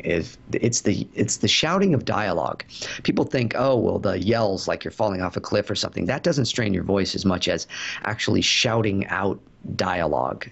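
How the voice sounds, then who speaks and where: Gravelly-voiced man, chatty guest. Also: deep voice, highs cut off. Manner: chatty storyteller, many fillers and restarts. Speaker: voice actor guest. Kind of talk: casual interview answers.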